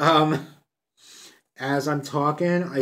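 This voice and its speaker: A man mumbles at a very slow pace. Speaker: crafting video creator. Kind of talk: tutorial. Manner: soft-spoken; mumbling.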